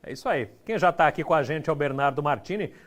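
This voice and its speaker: A male host runs the talk show with quick, joking banter. He talks fast, and his voice bounces a lot in pitch and sits a little high. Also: animated, a little hiss or hum. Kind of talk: casual news chat.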